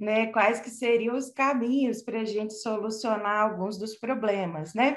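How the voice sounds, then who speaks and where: A woman with a Minas Gerais accent speaks at a fairly high pitch with fairly even intonation. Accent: Minas Gerais (mineiro). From Brazil, Minas Gerais. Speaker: lawyer, panel speaker. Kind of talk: online panel talk. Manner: frequent fillers (né, é).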